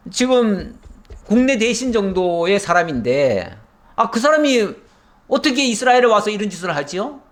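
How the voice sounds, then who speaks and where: A male pastor giving an expository Bible sermon, telling the story vividly and acting out the characters' questions, with phrases that drop low and soft at the ends. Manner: animated storytelling, acts out dialogue with rising pitch.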